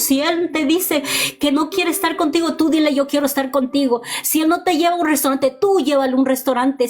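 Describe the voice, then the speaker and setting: A woman preaching a personal testimony in an impassioned, repetitive style, speaking straight to her listeners. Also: sits high. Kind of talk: testimony sermon.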